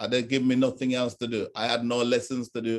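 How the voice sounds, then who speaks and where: A man speaks in a strong Jamaican accent at a fairly quick pace. The recording is very clean and the background silent. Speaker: care services director. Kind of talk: interview.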